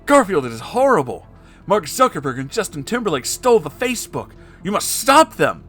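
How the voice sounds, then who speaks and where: A man voicing a frantic young male sidekick in a high, pleading, overwrought tone. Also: huge pitch swings, moderate pace, a bit bright, breathy edge, soft background music, heavily acted. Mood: panicked.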